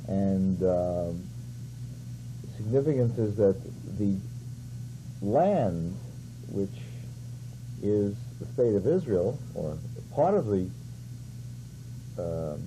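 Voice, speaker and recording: Man, interview guest, measured, searching for words, dark mellow tone, faint hum. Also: fairly low pitch, rough recording. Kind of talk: explaining in an interview. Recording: 1980s cable TV studio tape, faint hum.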